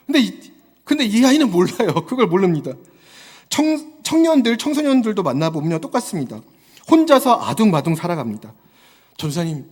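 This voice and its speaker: A man in his thirties preaching a Sunday sermon, his high voice swinging widely as he builds to fervent exhortation. He acts out little quotes along the way. Long reverb from a large church hall hangs on every line. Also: darkish tone.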